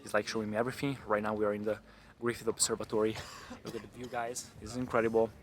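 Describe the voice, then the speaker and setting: A man's voice: on the low side, level tone, fast talker. A young man from Italy, hosting a casual interview outdoors and talking with many fillers and restarts. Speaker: vlogger host.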